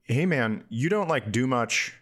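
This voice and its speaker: A man's voice: mid-range voice, animated, a little slow, fairly bright tone. A man co-hosting a podcast in a casual, comedic chatting style. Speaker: podcast co-host.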